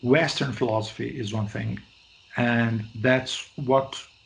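A medium-pitched man at a fairly slow pace with ordinary pitch variation. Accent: Portuguese. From Brazil. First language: Portuguese. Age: 40s. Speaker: philosophy lecturer. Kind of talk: interview. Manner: halting.

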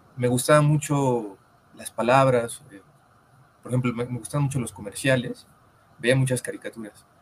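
A man with a medium-pitched voice speaks at a moderate pace in a monotone, flat way. Long, frequent pauses break his speech, and there is noticeable background noise. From Mexico, Veracruz. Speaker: writer and literature scholar. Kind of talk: interview.

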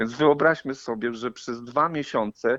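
A man's medium pitch with ordinary pitch variation at a fairly slow pace, dry and close with no echo, against a quiet background. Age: 40s. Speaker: musician. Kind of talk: casual chat. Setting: remote line.

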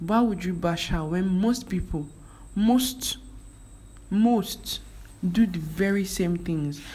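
Speaking at a very slow pace with long, frequent pauses, a woman has a dark, mellow, somewhat breathy tone and ordinary pitch variation. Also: medium pitch for a woman. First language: a Nigerian language. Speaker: podcaster. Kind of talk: casual monologue. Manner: animated.

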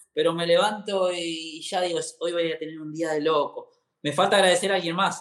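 A man talks at a fairly quick pace in a high pitch. His intonation stays fairly even. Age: 30s. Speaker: steeplechase athlete. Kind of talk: casual interview.

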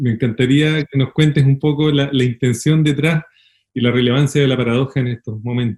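This man talks at a fairly quick pace with a medium pitch, a somewhat breathy voice and fairly even intonation. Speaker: podcast host. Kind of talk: interview.

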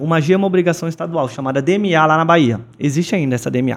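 A man speaks in a normal speaking voice. His pace is fairly quick, with ordinary pitch variation. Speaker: startup co-founder and business director. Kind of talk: casual interview chat.

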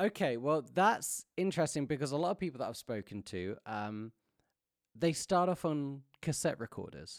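A man with a southern English accent, fairly high in pitch, at a moderate pace, with very wide pitch swings, dry, close sound with no echo, and a very clean recording on a silent background. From England, Bedford. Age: 30s. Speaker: podcast host. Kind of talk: casual interview. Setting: recording studio.

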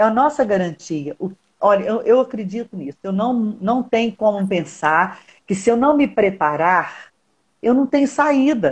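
A woman's fairly high, somewhat breathy voice at a fairly slow pace, with very wide pitch swings. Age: 60s. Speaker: singing teacher. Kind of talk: casual chat. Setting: video call.

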